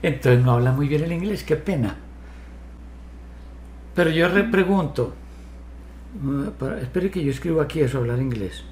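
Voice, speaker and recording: A man's voice: on the high side, expressive, moderate pace, long pauses, darkish tone, slight background noise. A man in his sixties leading an online hypnotherapy session from his home study, asking pointed questions and lecturing in a direct, questioning way. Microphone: video call. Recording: roomy video call audio.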